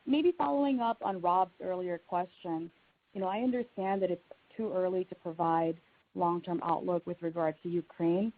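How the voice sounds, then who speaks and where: A woman speaking as a financial analyst, putting questions to company executives on an earnings call. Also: fairly low pitch. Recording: tinny, band-limited phone line.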